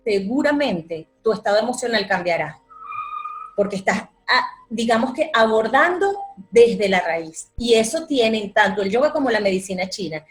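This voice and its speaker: A woman, a yoga teacher calmly explaining her practice in an interview. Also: on the high side, moderate pace, slight background noise. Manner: calm, explanatory, repeats words for emphasis. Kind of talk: interview answer.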